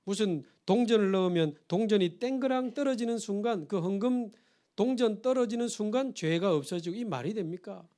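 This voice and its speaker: A man's voice: high voice, a little fast, warm tone. A middle-aged man, a pastor preaching a sermon in church, telling stories with acted quotes and building to emphatic appeals. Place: church sanctuary.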